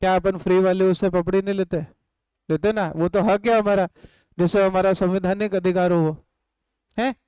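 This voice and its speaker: ऊँची साफ़ आवाज़ वाला भारतीय शिक्षक. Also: male voice, high-pitched, fairly even intonation, darkish tone, clear, resonant tone, no echo, low-quality recording. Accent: Indian. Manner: asks the class questions and answers them himself, uses food examples; dictates notes slowly word by word. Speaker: economics teacher. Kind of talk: live online class lecture.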